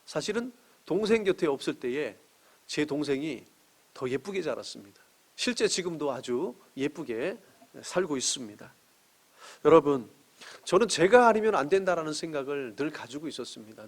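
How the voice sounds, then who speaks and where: Middle-aged pastor guy preaching, kinda high voice, earnest, lots of rhetorical questions, gets loud then drops soft. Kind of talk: sermon.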